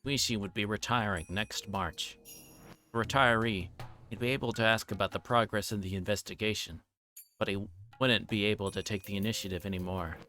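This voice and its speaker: Low-voiced man livestreaming a story game. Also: steady tone, fairly quick, pushed and bright, faint music behind. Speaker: livestreamer reading a visual novel aloud. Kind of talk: narrating a game with asides to chat.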